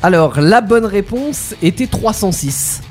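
A man's voice: sits high, lively intonation, measured pace, soft background music. A man hosting a casual radio quiz, playful, repeating his questions and laughing at himself.

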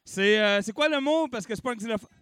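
A fast-talking young man with a Québécois French accent and a high, clear, resonant voice hosts a comedy-night auction. Bouncy and animated, he bellows bids and slips in jokes, with no echo on the recording.

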